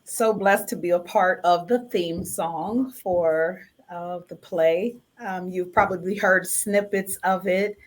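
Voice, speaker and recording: A woman's voice: lowish voice, fairly even intonation, takes it slowly, few pauses. A woman artist chatting casually as a guest in an informal, enthusiastic way. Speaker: recording artist, poet, guest. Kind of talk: casual chat.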